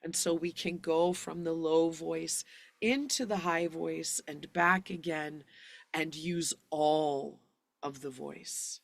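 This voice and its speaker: A woman teaching singing in a live online lesson, guiding breathing and relaxation in a gentle, encouraging way. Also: low voice, fairly even intonation, takes it slowly, gravelly, dry recording.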